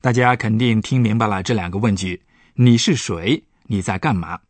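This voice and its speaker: On a radio language lesson, a male professor patiently explains points of German grammar, stressing the example words. His voice is on the low side, at normal speed, with no echo.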